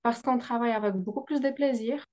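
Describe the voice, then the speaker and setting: Guest: non-native French-speaking woman, business coach, higher voice, hesitant, filler-heavy delivery. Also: fairly quick, darkish tone. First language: not French. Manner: hesitant, many fillers, laughs often. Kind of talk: interview answers, explaining.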